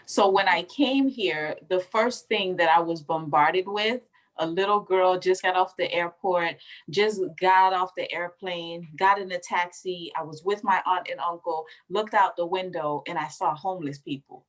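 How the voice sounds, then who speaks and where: Woman from the bahamas, guest on a chat, lively storyteller, keeps saying baby. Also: lowish voice, a little slow, poor audio. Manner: animated storyteller, emphatic, calls listener baby and girl. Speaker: interview guest. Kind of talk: casual interview conversation.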